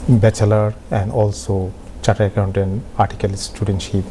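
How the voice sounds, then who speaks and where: A man's voice: fairly low pitch, flat delivery, normal speed, warm tone. A man with a Bangladeshi accent introducing himself as a guest on a talk show, hesitant and full of "you know" fillers. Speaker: studio guest. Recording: faint background noise.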